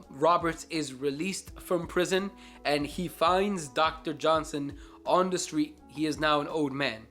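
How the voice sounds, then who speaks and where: A man's voice: on the high side, a bit bright. A man hosting a Christian book review vlog, talking in an earnest, reflective, almost preacherly way.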